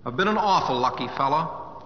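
An American actor playing a folksy, humble cowboy humorist and devoted husband in an old radio drama, plain-spoken and hesitant. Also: male voice, a little high, lively intonation, a little fast, lightly acted. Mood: humble, moved. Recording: dull vintage radio recording, echoey hall.

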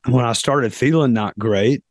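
Hoarse guy doing his podcast, slow and thoughtful, lots of uhs, medium pitch, dry sound. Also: no room sound. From South Carolina, US. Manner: deliberate, pausing often with fillers. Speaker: podcast host. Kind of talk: reflective podcast monologue.

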